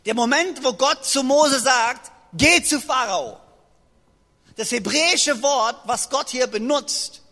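A man preaching a sermon to a congregation, lively and joking as he speaks straight to his listeners. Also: very high voice, slow. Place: church hall. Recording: long reverb of a large hall.

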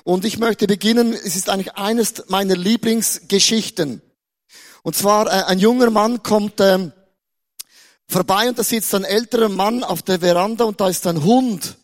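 A man's voice: sits high, normal speed. A man from Switzerland with a Swiss German accent preaching a playful sermon, stumbling over repeated words and joking with the audience. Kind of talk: lively humorous sermon.

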